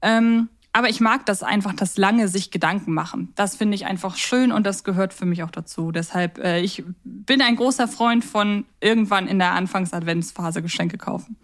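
A woman's voice: mid-range voice, normal speed, few pauses. A woman co-hosting a podcast, chatting casually. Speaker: podcast co-host. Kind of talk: casual chat about audio drama episodes.

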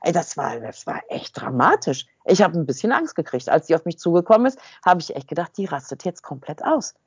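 A woman co-hosting a podcast, telling a story in a lively, casual way and acting out the dialogue. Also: lowish voice, brisk, husky, no echo, highs cut off. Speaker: podcast co-host.

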